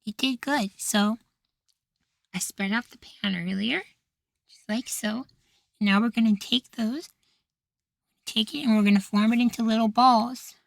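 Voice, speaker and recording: A man playing an affectionate, easily flustered young femboy househusband in an intimate ASMR roleplay, speaking in a soft, feminine, coaxing way. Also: high-pitched, fairly even intonation, unhurried, creaky, long pauses, dry recording. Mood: gently coaxing. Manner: coaxing, gently praising, sweetly apologetic.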